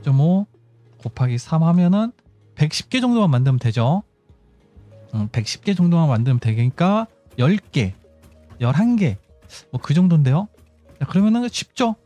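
A man's voice: fairly high pitch, very animated, moderate pace, pauses often, warm tone, faint music behind. A man giving casual game tutorial commentary, explaining step by step and thinking aloud as he goes. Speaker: gaming channel host.

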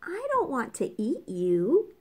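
A woman's voice: wildly swooping pitch, takes it slowly, darkish tone, husky, full character voice. A woman voicing a sniffling male wolf with a bad cold, pleading in a whiny, teary voice. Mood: tearful. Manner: whiny, teary pleading that rises to a high wail.

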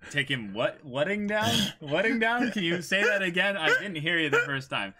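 A man's voice: high-pitched, lively intonation, normal speed, pushed and bright. A young man joking casually during a comic dramatic reading in a small room. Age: young adult. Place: small indoor room, against a backdrop.

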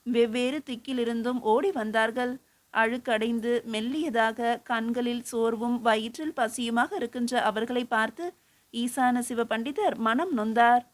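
A woman's voice: on the high side, unhurried. A woman reading a novel aloud, narrating and voicing the dialogue in her own voice.

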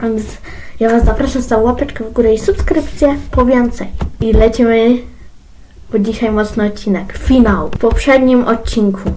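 A woman's voice: a little high, steady tone, moderate pace, mellow, slight background noise, poor audio. A woman hosting a home-made series, chatting casually to viewers. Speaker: host. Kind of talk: casual vlog intro.

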